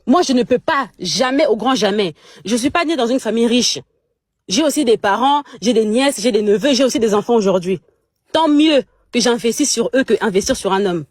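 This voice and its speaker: A woman's voice: a little high, animated, fairly quick, no echo, studio quality. A young Congolese woman in a heated casual chat, speaking French with a Congolese accent, emphatic and indignant, stumbling over repeated words. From Democratic Republic of the Congo. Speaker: guest on a live chat.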